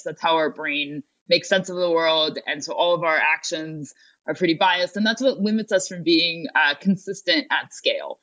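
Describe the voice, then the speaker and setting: A woman's voice: low-pitched, a bit bright, poor audio. A young woman from Ukraine, answering as an interview guest in a conversational, explanatory style. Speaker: interview guest, tech company co-founder and CEO.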